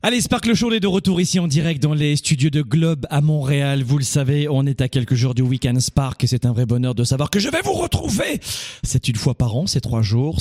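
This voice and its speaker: Male call-in host, animated and encouraging, bright melodic delivery in a radio studio. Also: mid-range voice. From Italian descent. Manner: animated, quick interjections and repeated reassurances. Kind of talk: live call-in radio show.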